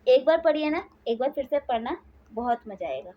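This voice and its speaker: A woman's voice: sits high, animated, normal speed, lo-fi sound, a little hiss or hum. A woman teacher reading a story aloud with expression, then chatting with her students about it.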